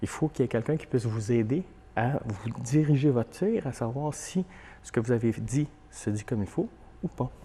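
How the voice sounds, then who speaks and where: With a Portuguese accent, a man speaks at a moderate pace and medium pitch, his tone dark and mellow and somewhat breathy. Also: ordinary pitch variation. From Portugal and Spain (Lisbon, Madrid), then Quebec. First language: Portuguese (speaking French). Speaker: language school owner. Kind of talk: interview.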